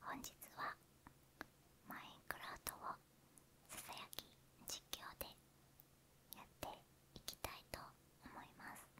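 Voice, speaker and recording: A woman whispers at a moderate pace, stopping often for long pauses. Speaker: ASMR game streamer. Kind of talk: whispered ASMR gameplay commentary. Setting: low-quality earphone mic. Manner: whispered. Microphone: earbuds.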